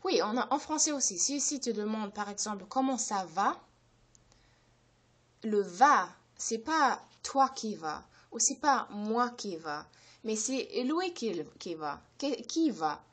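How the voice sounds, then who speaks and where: German-native woman hosting a language channel, halting French with many fillers and restarts, slows down to stress key words. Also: fairly high pitch, animated, a bit bright, breathy edge. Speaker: language-learning channel host. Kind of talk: unscripted explanation to camera.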